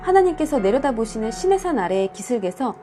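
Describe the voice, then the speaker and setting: A woman storyteller and host telling Bible stories in a dramatic, expressive way. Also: a little high, fairly quick, music in the background. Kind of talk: dramatic Bible storytelling narration with casual asides.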